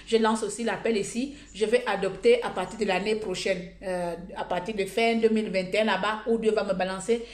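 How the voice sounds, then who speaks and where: A woman vlogger giving blunt, humorous advice in a casual monologue, telling stories with animated energy. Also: medium pitch, fairly quick, few pauses. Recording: echoey room.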